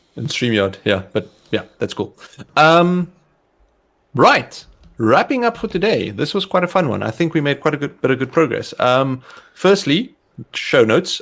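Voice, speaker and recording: A man's fairly high voice in a South African accent, fairly quick, with very wide pitch swings. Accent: Afrikaans South African. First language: Afrikaans. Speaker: tech livestream co-host. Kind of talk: live coding stream chat. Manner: fast.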